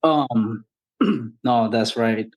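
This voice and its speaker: A man in his thirties from Ethiopia, a podcast guest speaking in an unhurried, thoughtful way about his life. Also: mid-range voice, breathy edge, poor audio. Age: 30s. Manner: unhurried, thoughtful, restarts often. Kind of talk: casual interview.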